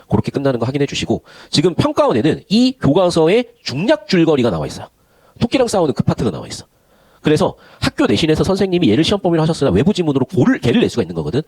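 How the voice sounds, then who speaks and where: A man's voice: on the high side, darkish tone. A man teaching Korean literature in an online lecture. He talks in a chatty way and moves between polite and casual speech. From Gyeongsang region of Korea.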